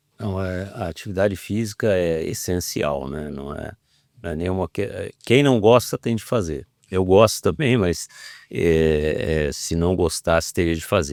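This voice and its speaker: A man at a fairly slow pace with ordinary pitch variation, dry and close with no echo, in a very clean recording with a silent background. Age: 60s. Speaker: interview moderator, former consulting partner. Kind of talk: podcast interview.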